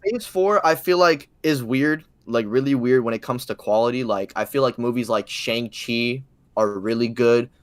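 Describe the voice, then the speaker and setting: A male podcast co-host with a medium-pitched voice, recorded very dry and close. He chats casually like a fan, with slangy, emphatic phrasing and words repeated for stress. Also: normal speed, clean tone, no room sound.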